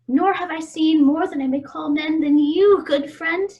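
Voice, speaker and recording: A woman's voice: high voice, a little slow, a little mellow, lo-fi sound. A woman playing an innocent, lovestruck young maiden, speaking earnest formal verse in a Shakespearean radio play. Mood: shy, tender.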